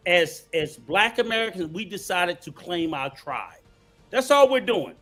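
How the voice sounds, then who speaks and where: A man's voice: sits high, animated, unhurried, bright, forceful tone, faint music behind. A man on a podcast panel debating heatedly, insisting on finishing his point.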